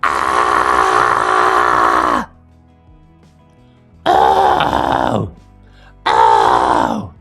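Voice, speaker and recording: A man demonstrating a false cord scream, a deep, distorted rasping growl in wordless held cries. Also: drawn-out words, pauses often, sharp tone, soft background music, full character voice. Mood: harsh, forceful.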